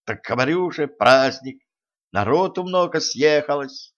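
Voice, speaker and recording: A man's voice: a little high, expressive, unhurried, a bit bright, voice pushed up. A man voicing a nervous, grumbling male storyteller, in a slightly muffled audiobook recording. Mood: fretful. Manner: fretful, grumbling.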